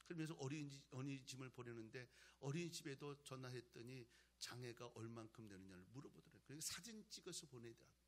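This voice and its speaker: A male pastor preaching a sermon, moving between loud exhortation and quiet, conversational storytelling. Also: mid-range voice, animated, fast talker.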